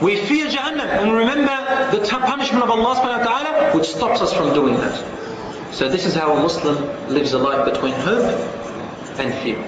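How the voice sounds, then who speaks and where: A man preaching a Muslim sermon to a congregation, solemn and emphatic like a preacher, with deliberate pauses. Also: on the high side, dull audio. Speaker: Muslim preacher giving a religious talk. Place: large echoing room before an audience. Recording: very echoey hall, clearly noisy background.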